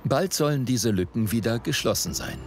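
A man reading scripted voice-over narration for a TV report in a measured, even way. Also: medium pitch, music in the background. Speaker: documentary narrator.

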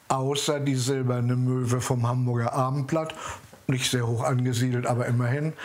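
Husky man recalling, hesitant. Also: medium pitch. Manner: rambling, hesitant. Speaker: journalist keeping an estate. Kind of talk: interview on camera.

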